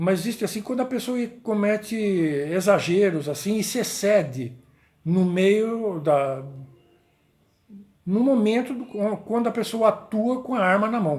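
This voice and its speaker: A high-pitched man speaks at a fairly slow pace with lively intonation, leaving long, frequent pauses. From Brazil. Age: 60s. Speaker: spiritual video blogger. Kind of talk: casual monologue. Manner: halting.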